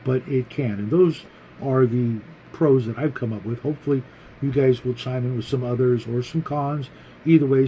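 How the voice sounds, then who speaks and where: A man hosting a casual, unscripted vlog about tabletop gaming, talking to viewers in a rambling, halting, conversational way. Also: mid-range voice, mellow, a little hiss or hum, low-quality recording. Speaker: host of a tabletop gaming vlog, game master.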